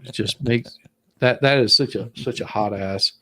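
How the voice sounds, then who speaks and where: A man's voice: medium pitch, moderate pace, a bit bright, rough recording. A man hosting a casual live stream, stumbling and repeating words as he chats with guests. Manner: stammering, repeats words, jokey. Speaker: livestream host.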